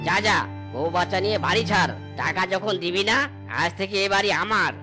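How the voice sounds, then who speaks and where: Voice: medium pitch, brisk, natural voice. An actor voicing a harsh, greedy village chairman who scorns a poor debtor. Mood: scornful. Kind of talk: cartoon voice acting. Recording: loud music behind voice.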